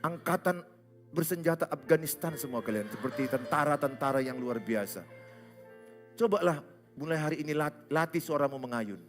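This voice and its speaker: A man's voice: on the high side, moderate pace, faint music behind. A man from Indonesia, preaching a humorous sermon as a pastor, often acting out little dialogues. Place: church stage.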